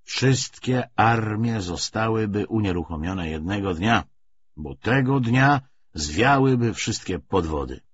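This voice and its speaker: A man's voice: lowish voice, animated, slow, slightly rough, full character voice. A man voicing a cynical, talkative male army propagandist in an audiobook, bantering and opinionated. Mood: wry, animated. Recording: dull lo-fi recording.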